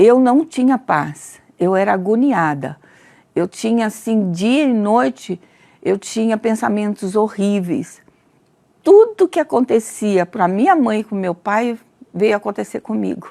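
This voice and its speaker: This woman has an unremarkable speaking voice, fairly high in pitch, with lively intonation. The sound is dry and close with no echo, on a very clean recording over a silent background. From Brazil, Campinas, São Paulo state. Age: 60s. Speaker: church member giving testimony. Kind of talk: testimony.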